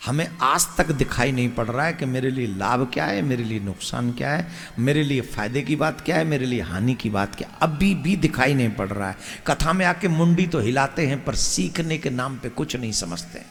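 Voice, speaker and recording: A man's voice: mid-range voice, lively intonation, normal speed, gravelly, few pauses. A man giving a devotional discourse as a Hindu preacher. He tells stories dramatically, acts out family scenes and keeps quizzing his listeners. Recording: reverberant hall with faint music.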